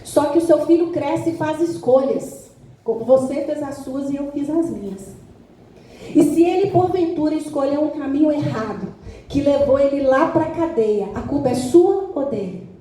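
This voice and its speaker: A woman missionary preaching a lively sermon in a church with a Brazilian accent, asking the congregation direct questions. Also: high-pitched, moderate pace. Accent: Brazilian Portuguese. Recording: very echoey church hall, faint noise.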